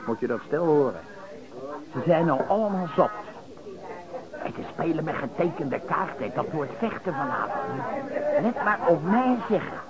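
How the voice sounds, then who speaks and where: An actor playing a gossipy, grumbling itinerant chair-caner in a radio play, slangy and familiar, with a Netherlands Dutch accent. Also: male voice, fairly high pitch, very animated, moderate pace, rough recording. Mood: gossipy, warning. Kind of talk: radio drama dialogue. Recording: busy crowd chatter behind.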